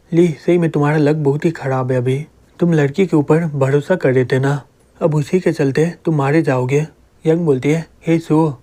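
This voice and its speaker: A man narrates a comic story, voicing every character in the same even storytelling voice. His pitch sits a little high for a man. His tone is mellow and dark rather than bright. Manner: reads all characters' lines in the same plain narrating voice.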